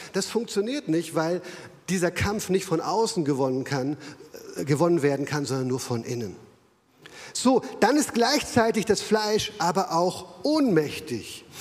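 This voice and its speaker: Animated and high-pitched, a man speaks at a fairly slow pace with very wide pitch swings and long, frequent pauses against noticeable background noise. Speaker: preacher. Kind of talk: sermon in church, mixing jokes with Bible teaching. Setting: church with live congregation. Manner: animated, humorous, conversational; direct and earnest when addressing the congregation.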